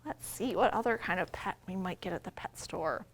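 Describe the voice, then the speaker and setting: A woman's voice: fairly low pitch, normal speed, noisy background. An American woman, a children's librarian, leading a read-aloud story time with simple explanations addressed to small children. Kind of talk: read-aloud and sing-along for young children.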